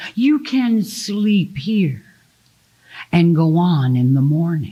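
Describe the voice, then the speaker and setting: At a very slow pace, the speaker puts on a character voice set at a middle pitch. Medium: read story.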